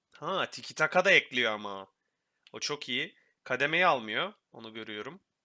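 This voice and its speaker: In a very clean recording with a silent background, a man's voice moves through very wide pitch swings and big swings in loudness. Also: medium pitch for a man. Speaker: gaming YouTuber. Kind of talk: gameplay commentary. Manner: casual, filler-heavy.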